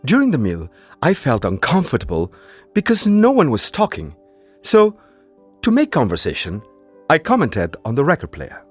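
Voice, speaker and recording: A man reading a scripted anecdote for an English listening exercise, telling it in an animated way. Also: medium pitch, moderate pace, breathy edge, soft background music. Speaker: textbook audio speaker.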